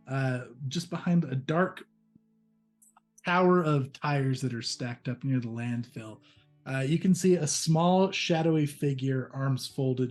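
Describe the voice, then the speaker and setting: A man's voice: medium pitch, darkish tone. A man narrating a tabletop role-playing game as game master, in a casual, descriptive way.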